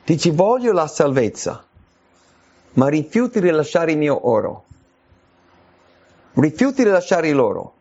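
Guy preaching casually, slightly high voice, drags out the bible verses, muffled lo-fi audio. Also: sing-song, a little slow, long pauses, darkish tone, husky. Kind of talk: informal sermon answering viewers' letters. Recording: dull lo-fi recording.

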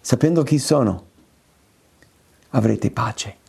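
A man preaching an expository sermon, lifting his voice high when he quotes scripture and prayers. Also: slow, creaky, mellow, husky. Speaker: pastor.

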